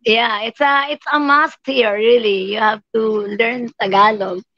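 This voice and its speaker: A woman with a somewhat high voice hosts the interview, chiming in with short affirming remarks. Her call audio sounds muffled and very dry. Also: fairly even intonation, a little slow, pushed and bright, no echo. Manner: brief affirming remarks, mixing English and Tagalog. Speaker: host. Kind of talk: casual interview over video call.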